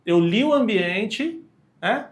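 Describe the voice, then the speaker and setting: A high-pitched man with a Brazilian accent guests on a podcast as a communication expert, speaking slowly but animatedly. His chat is slangy and casual, and he acts out quoted lines in character voices.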